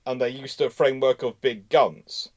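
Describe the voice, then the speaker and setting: A man with a medium-pitched voice hosts a live history discussion. He explains things in a discursive, informal way, halting mid-thought before carrying on. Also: fairly even intonation. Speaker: host of a live naval history show. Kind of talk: live question-and-answer talk with informal commentary.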